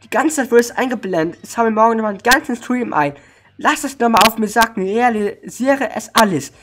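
A man with a hoarse voice speaks casually to his viewers as a streamer. He sounds excited and overwhelmed and repeats words for emphasis. Faint music plays behind him. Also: very high voice, fast talker. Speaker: streamer and gaming video creator. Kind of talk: casual spoken update to viewers.

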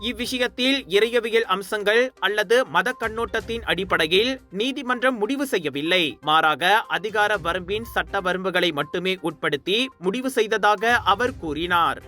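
Male newsreader, Malaysian Tamil accent, high pitch, bright forceful tone, formal measured scripted delivery, faint music behind. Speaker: news presenter. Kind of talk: formal scripted news reading.

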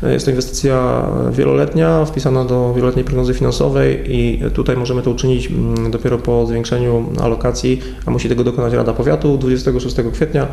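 A man in his forties, a county head, answering in a local TV studio interview, measured and full of hesitations. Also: mid-range voice, little pitch movement, gravelly, dark tone. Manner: measured, hesitant with many fillers. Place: TV studio at a table. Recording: echoey studio room.

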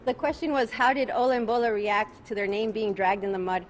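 A woman in her forties, an attorney, answering reporters' questions at a night press conference outdoors. She sounds tired and talks calmly, repeating each question before she answers. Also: mid-range voice, fairly quick. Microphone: bank of press microphones.

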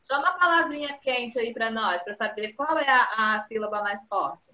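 A bright, fairly high Brazilian woman teaching a class of young children, coaxing them patiently and drawing out each word. Her voice rings in an echoey room. The video-call sound is dull and muffled. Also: moderate pace. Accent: Brazilian Portuguese. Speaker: primary school teacher.

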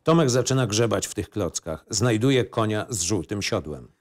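Low-voiced man narrating a script. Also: lively intonation, moderate pace. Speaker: narrator reading a film script. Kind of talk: scripted narration of stage directions.

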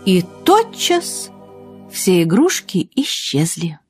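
A woman narrating a children's fairy tale in an expressive, dramatic storytelling manner. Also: lowish voice, slow. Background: music.

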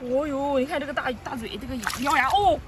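A woman vlogging as she forages on a rocky seashore, giving excited live commentary full of delighted cries. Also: high-pitched, fast talker, very noisy. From Shandong, China. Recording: distant mic with loud outdoor ambience.

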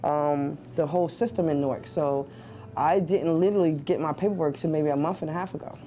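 A woman's voice: deep voice, a little fast, warm tone, faint music behind. A middle-aged woman, a cafe owner, speaking earnestly and from the heart in an interview, with fillers, inside her cafe. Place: indoors in a cafe.

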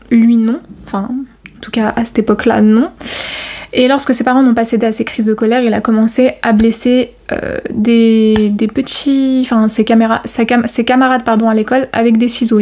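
A woman recounts a true crime case for her viewers. Her voice sits a little high, and she talks casually, with frequent hesitations and slangy asides. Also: darkish tone. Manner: chatty and informal, many fillers and slang. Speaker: YouTuber telling a true crime story.

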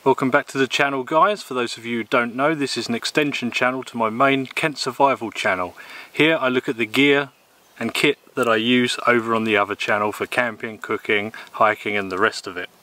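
A man in his thirties from England casually reviewing a camping table outdoors in the woods, with a relaxed manner and plenty of ums and uhs. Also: mid-range voice, a little fast. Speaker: gear reviewer. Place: outdoors in woodland.

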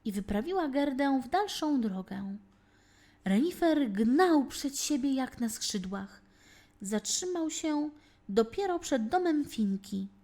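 Female fairy tale narrator for children: high-pitched, unhurried, very melodic and expressive delivery. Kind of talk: scripted children's storytelling.

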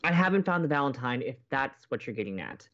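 A man plays a moody young college radio co-host in an audio romantic comedy. He is theatrical and exclamatory, with swooping pitch. The recording sounds a little dull. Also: sing-song, quick pace, fairly bright tone. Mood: sulky, subdued. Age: young adult. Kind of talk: naturalistic romantic comedy podcast acting.

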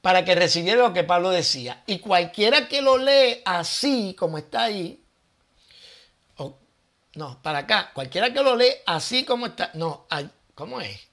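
A man's voice: high voice, animated, moderate pace, a bit bright. A man hosting his own channel, giving casual Bible teaching with rhetorical questions and thinking aloud.

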